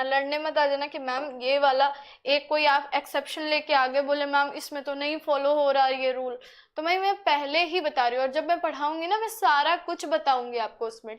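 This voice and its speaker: Young woman teacher, really high voice, chatty, keeps asking the class questions. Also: fairly bright tone. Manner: rhetorical questions to students, chatty. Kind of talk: whiteboard grammar lesson.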